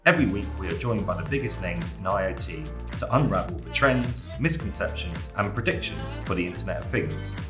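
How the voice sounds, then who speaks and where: A man's voice: low voice, expressive, brisk, echoey room, music in the background. A man hosting a podcast, introducing the show and asking questions in an upbeat way with many fillers. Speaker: podcast host.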